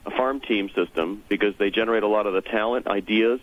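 Over a thin phone line, a man representing a technology trade association explains policy points as a guest in a radio interview. His voice is fairly low in pitch, and he speaks fast.

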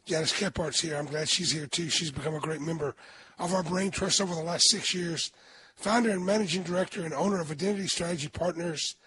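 A man with a hoarse voice hosting a radio talk show, chatting in a folksy, emphatic way and often restarting his sentences. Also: a little high, a bit bright, a little hiss or hum.

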